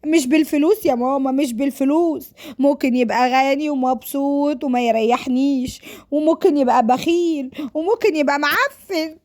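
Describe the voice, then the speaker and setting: A woman's voice: high voice, a little fast, a little mellow, pitched above the performer's own voice, natural voice. A woman with an Egyptian accent playing a distraught, defiant young woman in a domestic story, wailing and pleading melodramatically against an arranged marriage. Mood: desperate, pleading.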